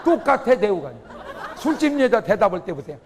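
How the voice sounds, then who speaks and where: A male pastor with a high, sing-song voice talks a little fast, with a bit of hiss or hum in the recording. He's preaching a humorous revival sermon before a congregation in a church or large auditorium, firing off questions, exclaiming, and drawing call-and-response from the audience.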